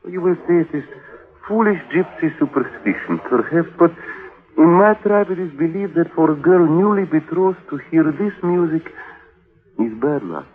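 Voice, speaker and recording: An actor playing a superstitious, courtly gypsy violinist in a 1940s radio drama, formal and portentous in halting phrases, on a muffled recording. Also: male voice, a little high, animated, natural voice. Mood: foreboding.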